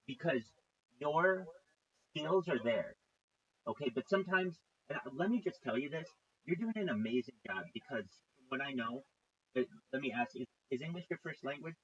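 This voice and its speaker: A man's voice: medium pitch, animated, husky, highs cut off. A man coaching a caller over a call, full of encouragement and praise. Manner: encouraging, praising, slow and reassuring. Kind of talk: casual video call coaching.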